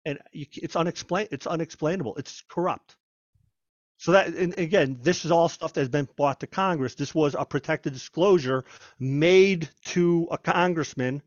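A man, a former federal agent, telling stories in a conversational interview, animated and often repeating and restarting his words. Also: on the high side, moderate pace, dry recording, dull audio. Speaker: guest, former FBI agent. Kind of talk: conversational storytelling.

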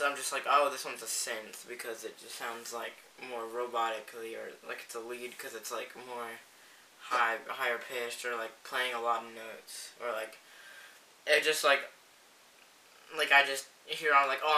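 A man's voice: medium pitch, pushed and bright. A man as a guest in a casual chat, explaining things hesitantly and rambling with many fillers. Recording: roomy, distant mic, faint hiss.

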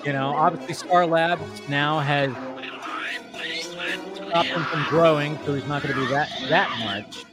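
A man's voice: a little high, measured pace, pauses often, over loud music. A man co-hosting a fan stream, chatting casually about a cartoon episode, laughing often and restarting his sentences. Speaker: podcast co-host.

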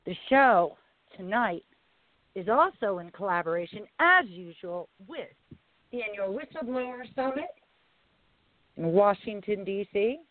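A woman hosting a live talk radio show in a low, raspy voice, speaking deliberately and leaning on phrases for emphasis. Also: animated, no room sound. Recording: tinny phone-line radio audio.

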